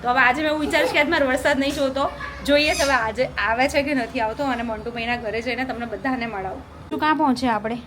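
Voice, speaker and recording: A young woman with a high voice chats casually to her viewers, often checking in with them as she goes. She is a mother recording a family vlog on a handheld phone. Steady background noise runs under the voice. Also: fast talker. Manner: chatty, keeps checking in with viewers.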